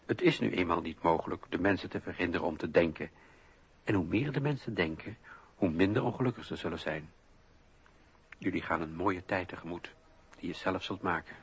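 An actor playing a weary, indignant old French philosopher in a radio play, declaiming in a deliberate, rhetorical way. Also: male voice, low-pitched, expressive, slightly rough, muffled recording, full character voice. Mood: warm, reflective. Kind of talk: radio drama monologue, declaimed.

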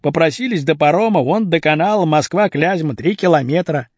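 A lazy, money-minded driver grumbles and drawls, as a man reads him aloud. The voice is husky and a little higher than plain talk. The recording is dull and dry. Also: animated, fairly quick, darkish tone, no room sound. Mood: grumbling.

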